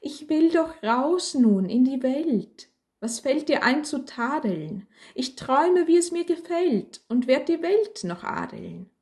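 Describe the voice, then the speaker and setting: A woman's voice: animated, slow pace, dark tone. A woman voicing a little plaintive candle. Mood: indignant. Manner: high, plaintive, indignant rhyming speech. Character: small, humble candle, proud and dreamy.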